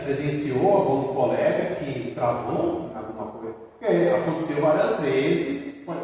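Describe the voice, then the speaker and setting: A man's voice: a little high, expressive, unhurried, warm tone. A man hosting an interview, chatting casually and jumping in often with curious follow-up questions. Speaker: podcast host. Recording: echoey room from far off.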